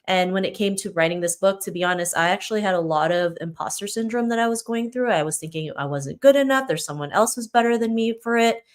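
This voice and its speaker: This woman talks fast at a medium pitch, hardly pausing at all. Born in the Philippines and based in Toronto, she's a non-native English speaker appearing as an author guest on a podcast, keeping the interview casual and motivational.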